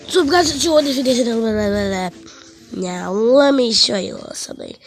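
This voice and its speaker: A woman's voice: fairly high pitch, wildly swooping pitch, a little fast, faint music behind. A woman hosting a reaction video, chatting in an offhand, joking way. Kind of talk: casual reaction commentary.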